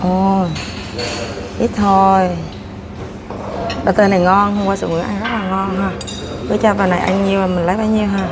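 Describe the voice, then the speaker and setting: A woman's voice: mid-range voice, level tone, moderate pace, pauses often, a crowd in the background. Chatty woman touring a buffet. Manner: chatty, narrating while serving herself food. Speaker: food vlogger. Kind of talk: casual walkthrough vlog. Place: hotel breakfast buffet room, indoors. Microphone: clip-on lapel mic. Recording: clinking dishes and cutlery behind.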